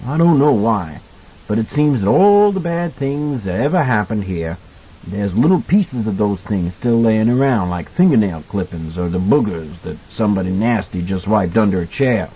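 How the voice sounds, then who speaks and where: Audiobook role: kindly older male cook, played by a man. Husky, very animated, folksy, earnest and protective. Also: lowish voice, normal speed, muffled recording. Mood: earnest, reassuring. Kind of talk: audiobook character dialogue.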